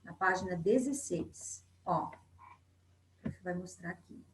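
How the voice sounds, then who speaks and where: A woman's voice: fairly low pitch, unhurried, reverberant, slight background noise. A Brazilian woman teaching a recorded lesson to young children, patient and encouraging, checking in often. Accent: Brazilian Portuguese. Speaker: primary school teacher.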